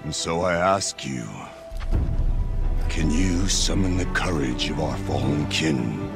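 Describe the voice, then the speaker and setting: An actor playing a fierce, grieving tribal war chief in a video game, delivering solemn, commanding oratory to rally hunters. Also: male voice, rumbling low, creaky, over music, exaggerated voice. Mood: solemn, resolute. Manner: solemn, commanding oratory with slow deliberate phrasing. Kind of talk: rousing battle speech in a video game.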